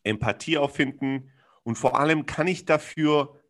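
Brief: adult man, reflective chat, halting delivery full of fillers, candid and earnest. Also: a little high. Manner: searching, halting, with many fillers and restarts; earnest and frank, with blunt slang. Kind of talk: reflective podcast conversation.

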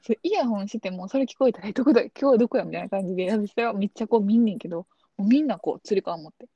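A woman's voice: mid-range voice, racing, warm tone, breathy edge, no room sound, muffled recording. A young woman with a Kansai accent, chatting casually and telling anecdotes on a podcast. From Osaka, Japan. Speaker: podcast co-host. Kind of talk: casual chat.

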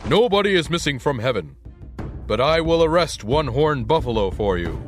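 A woman voicing a proud male warrior from heaven who speaks firmly and loudly. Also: deep voice, very animated, normal speed, faint music behind, pitched below the performer's own voice. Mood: commanding.

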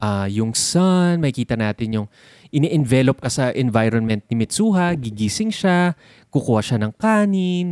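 Animated Filipino man chatting about films. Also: a little high, no echo, studio quality. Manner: animated, explains with examples and sound words. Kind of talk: casual chat about films.

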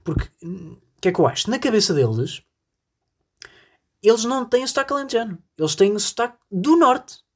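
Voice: mid-range voice, big pitch swings, brisk, breathy edge. A podcast host from Portugal, rambling jokily through a solo monologue and talking straight to the listeners. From northern Portugal. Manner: rambling, jokey, addresses listeners directly.

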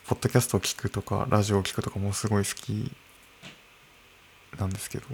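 A man in his early thirties talking alone into a microphone in his room, slow and musing, with soft laughs. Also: fairly low pitch, flat delivery, creaky, slight background noise. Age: early 30s. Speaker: podcast host. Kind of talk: unscripted solo podcast talk. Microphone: podcast microphone.

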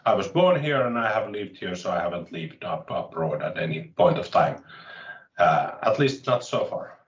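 A man in his late forties from Finland with a Finnish accent, chatting as an interview guest in a halting way, often restarting phrases, with wry self-mockery, heard over a video call. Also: deep voice, expressive, reverberant, far from the mic, muffled recording. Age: late 40s. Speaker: interview guest, tech consultant. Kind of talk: casual interview chat.

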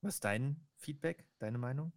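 A man's voice: mid-range voice, moderate pace, dry recording, clean studio sound. A man co-hosting a casual podcast, giving his opinion in a laid-back, hesitant way. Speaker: podcast co-host. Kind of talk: casual chat.

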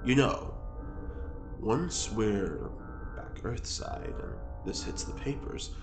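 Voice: medium pitch, animated, slow pace, reverberant, music in the background. An actor playing a dapper, boastful prisoner in an audio drama, with flowery, theatrical phrasing. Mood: teasing, grand.

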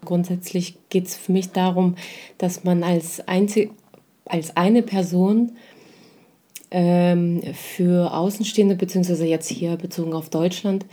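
A young woman from Kazakhstan co-hosting a podcast, explaining things earnestly in a halting way with many fillers. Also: lowish voice, steady tone, warm tone. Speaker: podcast co-host. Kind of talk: casual podcast chat.

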